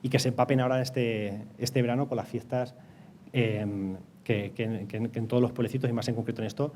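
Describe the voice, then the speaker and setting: Mellow-voiced Castilian man explaining, some background noise. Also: mid-range voice, fairly even intonation, brisk. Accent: Castilian Spanish. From Castilla-La Mancha, Spain. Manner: hesitant, repeats words as he explains. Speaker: interview guest, energy company project director. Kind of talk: explanatory interview answers.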